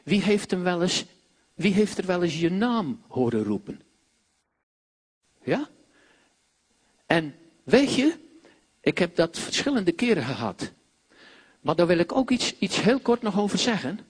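A man preaching a sermon, swinging between hushed storytelling and loud commanding proclamations. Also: high-pitched, sing-song, slow pace, long pauses, breathy edge.

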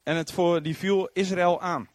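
Male preacher, animated storyteller, high-ish and very lively pitch, dry close sound. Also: a little slow, dry recording. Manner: animated storytelling, acting out quoted voices. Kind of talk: sermon.

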